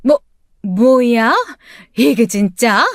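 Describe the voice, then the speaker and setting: A woman's voice: a little high, extremely slow, no room sound, clean studio sound. A woman voicing a bitter, self-pitying middle-aged mother who scolds shrilly and snaps back sharply. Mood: indignant.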